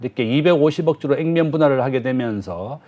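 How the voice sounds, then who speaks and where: A man, a business professor, giving measured economic commentary as a guest, with frequent filler pauses. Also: medium pitch, dark tone, lo-fi sound.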